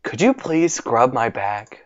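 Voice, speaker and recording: A man voicing a frail, gentle young woman patient in a game, speaking softly and hesitantly. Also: medium pitch, very animated, slow, muffled recording. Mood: timid, polite. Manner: soft, hesitant and polite.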